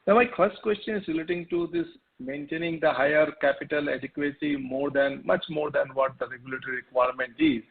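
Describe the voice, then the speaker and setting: A man's voice: a little high, fairly even intonation, brisk, creaky, hardly any pauses. A man asking a wordy, repetitive question as an investor calling in by telephone. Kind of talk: question on an earnings call. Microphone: telephone call. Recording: tinny phone line.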